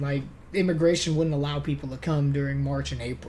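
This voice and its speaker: Somewhat breathy, a man's voice sits fairly high in pitch. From Serbia. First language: Serbian. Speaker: vlogger. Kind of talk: casual vlog monologue.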